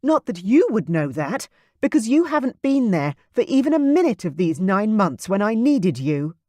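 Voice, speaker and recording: An audiobook reader voicing a pregnant young woman who is emotional and quick to anger, in a raised, intense voice. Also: sing-song, dry recording. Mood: indignant. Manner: high-pitched, intense, loud. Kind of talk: audiobook character voice.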